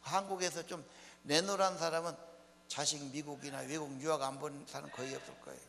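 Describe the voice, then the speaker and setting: Slightly high and a bit bright, with vocal fry and fairly even intonation, this older Honam pastor talks briskly. He gives a homespun sermon in plain language, peppered with questions to the congregation. Echo from the church hall and mains hum are audible.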